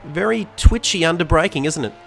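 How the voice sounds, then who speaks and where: A man commentating a sim racing stream, excitable and chatty, his voice going hoarse after the flu. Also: a little high, fairly quick, slight background noise. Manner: excitable, chatty, many fillers. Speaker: race commentator.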